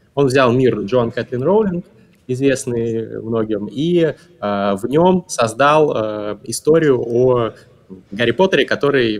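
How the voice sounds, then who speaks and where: A man with an unremarkable speaking voice, pitched in the middle and varying in an ordinary way. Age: 20s. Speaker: YouTube book blogger. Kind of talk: interview. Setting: video call. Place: home room. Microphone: video call.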